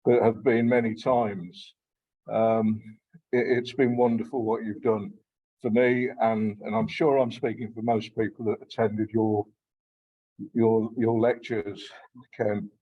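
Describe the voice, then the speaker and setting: Black Country man, lecture guest; husky, hesitant delivery, muffled lo-fi recording. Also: fairly low pitch, level tone, a little slow. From Black Country, England. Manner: hesitant, many fillers and repeated words. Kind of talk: informal talk to a local society.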